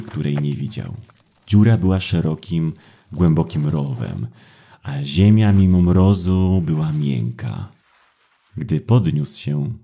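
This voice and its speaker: A man's voice: rumbling low, gravelly, dark tone, husky. A man reading scripted, dramatic horror narration for an audio drama. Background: music.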